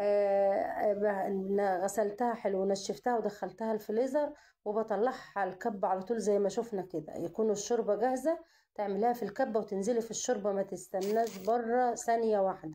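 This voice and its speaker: A woman at medium pitch, dark and mellow in tone, with ordinary pitch variation, very even loudness and a moderate pace, on a very clean recording with a silent background. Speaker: cooking vlogger. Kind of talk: cooking tutorial. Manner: halting.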